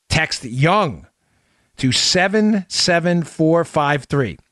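A man hosting a show delivers an infomercial-style sales pitch at an ordinary male pitch. He sells casually but emphatically, repeating key phrases, and the sound is close and very dry. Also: fairly bright tone, no room sound. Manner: casual, repetitive, emphatic selling with personal endorsement. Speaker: talk show host.

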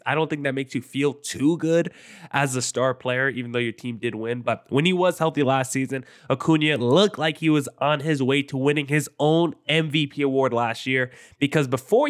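A young man with a congested, nasal voice, hosting a solo sports podcast in a casual, energetic rundown. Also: mid-range voice, fairly quick. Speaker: podcast host.

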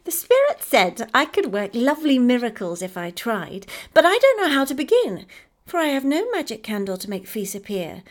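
An eager little girl full of wonder, her voice leaping high and breathless, as a woman reading the story puts her on. She squeals and pleads in a storybook telling, far above the reader's own pitch. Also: big pitch swings, normal speed. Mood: sorrowful.

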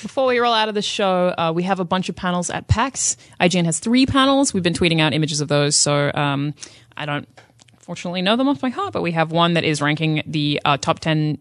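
A woman's voice: lowish voice, expressive, fairly quick, no echo, studio quality. A woman on a podcast panel chatting casually in an upbeat way. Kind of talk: casual chat.

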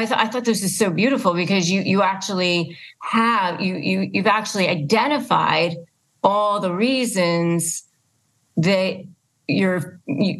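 A woman's voice: medium pitch, a bit bright, poor audio. Woman podcast host talking conversationally. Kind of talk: conversational interview.

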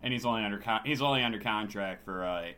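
A man's voice: lowish voice, quick pace, pushed and bright. A hungover man co-hosting a casual sports podcast, talking in a dry, sardonic way. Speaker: podcast host.

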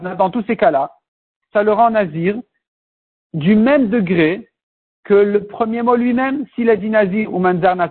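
A man's voice: high-pitched, breathy edge. A man teaching a Talmud class, explaining step by step and mixing in Hebrew and Aramaic terms. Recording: tinny phone-like recording.

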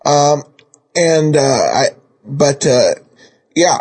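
A man hosting a podcast with casual commentary and listener mail, talking in a halting, hesitant way. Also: a little high, big pitch swings, a little mellow. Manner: halting, hesitant, with repeated starts. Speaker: podcast host.

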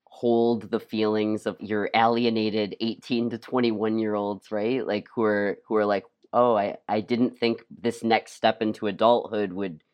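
Halting, casual interview guest, mid-pitched voice. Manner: halting, peppers speech with "like". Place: at home, remote session.

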